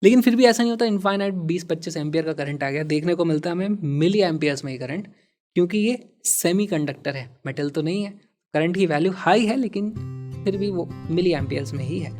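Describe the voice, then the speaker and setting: A man teaching physics and walking through exam problems in a lively way. He stresses key words and mixes in English terms. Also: high voice, fast, soft background music.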